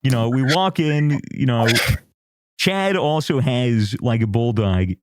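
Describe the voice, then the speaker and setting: A man's voice: mid-range voice, lively intonation, takes it slowly, darkish tone, no room sound, clean studio sound. A man on a podcast telling a crude story in a casual, laughing way, full of restarts and swearing. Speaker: podcast co-host.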